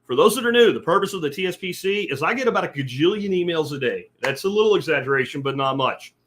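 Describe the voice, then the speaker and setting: A man's voice: fairly high pitch, lively intonation, fast talker, fairly bright tone, a little hiss or hum. A middle-aged man from central Pennsylvania hosting a podcast, talking in a casual, folksy and emphatic way, including sponsor reads. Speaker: podcast host.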